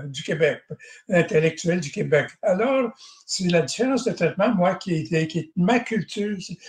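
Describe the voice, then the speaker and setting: An older man speaks in a noticeably high voice. He tells his memories in a digressive way and keeps clearing his throat. His voice echoes around a roomy space. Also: a little mellow. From Northern Ontario, Canada. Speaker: guest. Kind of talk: rambling personal recollection.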